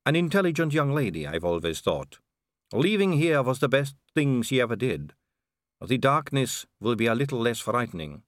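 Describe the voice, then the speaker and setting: Brief: male narrator as a sly aristocratic vampire lady, audiobook; cool, unhurried, faintly mocking. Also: mid-range voice, very animated, no room sound, clean studio sound, voice pushed up, natural voice. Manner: cool, drawling, amused and poised. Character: calm, elegant, sly female vampire noblewoman. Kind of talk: audiobook character reading.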